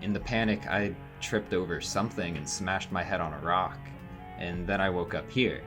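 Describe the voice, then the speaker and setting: A young man playing a shaken, earnest young witness in an audio drama, hesitant, halting and casual. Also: low-pitched, over music, close to an everyday voice. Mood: uneasy recounting. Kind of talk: naturalistic audio drama acting.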